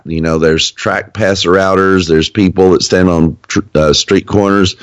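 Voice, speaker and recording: A man's voice: deep voice, dry recording. A man hosting a podcast, answering a listener question in a loose, rambling way. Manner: rambling, many fillers and restarts. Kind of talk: casual chat.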